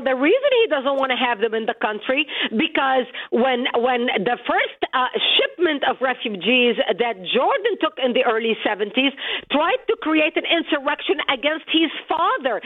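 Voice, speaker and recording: Forceful Lebanese-born woman on a phone line. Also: high voice. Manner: forceful, listing points in quick runs. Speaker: guest, activist and author.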